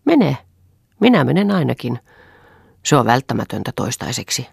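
A woman's voice: rumbling low, sing-song, vocal fry, a little mellow, husky, dry recording, clean studio sound, exaggerated voice. A woman reading the part of an irritable, dismissive husband in an audiobook. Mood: curt. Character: cold, irritable husband Eero.

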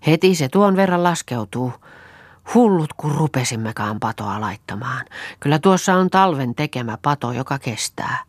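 A woman's voice: very deep voice, animated, dry recording. A woman voicing a fretful, grumbling young countrywoman who wails and mutters complaints, in a storybook reading.

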